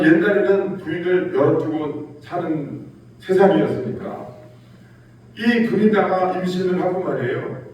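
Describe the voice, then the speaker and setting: A male pastor preaching a Sunday sermon in a slightly high voice. He tells stories and acts out quotes, his emphasis rising and falling as he goes. The sound is very roomy and picked up from a distance in the sanctuary. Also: darkish tone, a little hiss or hum. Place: church sanctuary. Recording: echoey church hall, distant mic.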